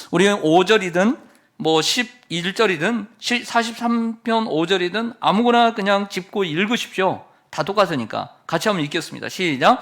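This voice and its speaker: The man's voice is high-pitched. His pitch variation is ordinary. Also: moderate pace, very clean recording, silent background. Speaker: pastor. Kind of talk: sermon.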